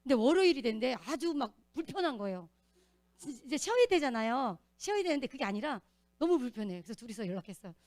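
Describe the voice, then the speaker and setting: Fast-talking woman giving church testimony. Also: high-pitched, dry recording. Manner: earnest, animated storytelling.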